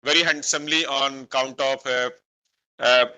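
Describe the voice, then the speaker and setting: Bright, forceful Indian-accented male bank executive. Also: mid-range voice, steady tone, normal speed, rough recording. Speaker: bank executive answering analysts' questions. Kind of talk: earnings call management commentary.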